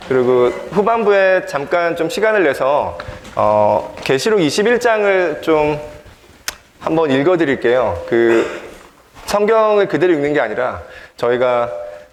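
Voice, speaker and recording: Over noticeable background noise and audible room echo, a man speaks at a very slow pace with long, frequent pauses, his high pitch swinging very widely while his loudness stays very even. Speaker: Bible seminar teacher. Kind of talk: Bible study lecture with outline reading.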